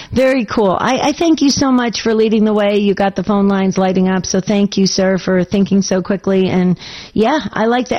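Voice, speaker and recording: A woman hosting a call-in radio show with a slightly scratchy voice, chatting and cheering on her callers with eager warmth of words. Her voice sits at a middling pitch, and the sound is a little dull. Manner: enthusiastic, affirming. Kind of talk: casual talk radio hosting.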